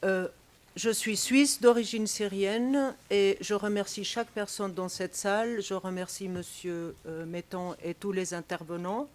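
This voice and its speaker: Slow, hesitant Syrian-born woman. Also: mid-range voice, steady tone. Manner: hesitant with many fillers, growing heated. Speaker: audience member. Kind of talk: impassioned statement at a press panel.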